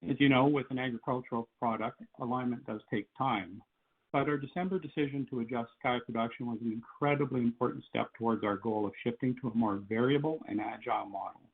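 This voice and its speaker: A man reading prepared financial remarks on an earnings call in a formal, measured manner, as a company executive. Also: medium pitch, gravelly, husky. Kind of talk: scripted earnings call presentation. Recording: muffled, tinny phone conference line.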